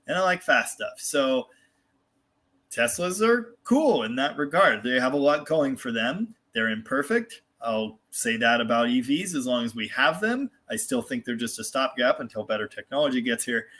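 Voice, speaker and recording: An American man with a bright, forward voice at a middle pitch hosts a casual livestream. He rambles candidly through replies to viewers and is quick to poke fun at himself. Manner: rambling, candid, self-deprecating; mild swearing. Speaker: host of a live car show. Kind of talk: casual livestream chat, answering viewer comments.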